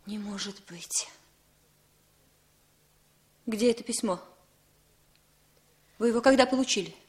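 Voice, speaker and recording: Controlling young woman: brisk, firm, commanding, 1960s radio drama. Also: on the high side, a little mellow.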